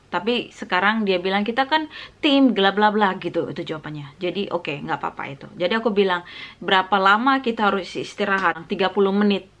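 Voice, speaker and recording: A woman's voice: mid-range voice, a bit bright. Chatty woman retelling a work story. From Indonesia. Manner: recounts dialogue, mixes in English phrases, frequent fillers. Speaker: vlogger. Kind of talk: casual storytelling vlog.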